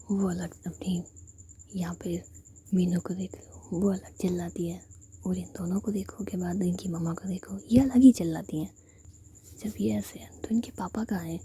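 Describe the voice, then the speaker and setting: A woman's voice: fairly low pitch, fairly even intonation, moderate pace, dark tone, slight background noise, close to an everyday voice. A woman voicing a cheeky young woman in a whispered story, with a teasing manner. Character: cheeky young woman visiting her girlfriend's home.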